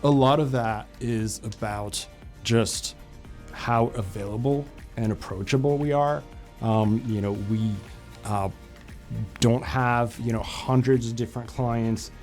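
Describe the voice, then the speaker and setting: A man's voice: medium pitch, fairly even intonation, slow, darkish tone, soft background music. A man in his forties from France, a financial advisor talking easily about his career, with frequent fillers and restarts. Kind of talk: company profile interview.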